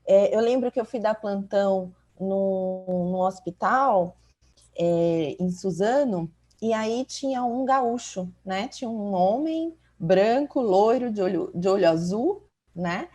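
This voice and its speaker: Husky Bahian woman telling stories. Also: mid-range voice, slow, dark tone. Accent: Bahian Portuguese. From Salvador, Bahia, Brazil. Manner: reflective, storytelling, many filler tags like "né". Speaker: doctor and podcast co-host. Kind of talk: casual conversation.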